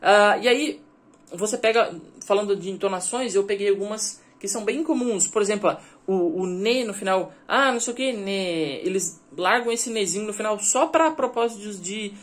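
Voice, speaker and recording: A man's voice: high-pitched, normal speed. Chatty man explaining casually. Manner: chatty, checks in with the listener often. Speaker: language-learning vlogger. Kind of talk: casual educational vlog.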